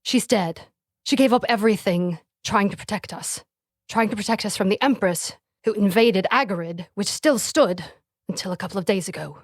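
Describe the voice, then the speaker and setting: A woman's voice: mid-range voice, moderate pace, no echo, clean studio sound. A woman playing in a tabletop role-playing game, speaking in an earnest, firm way. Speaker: player.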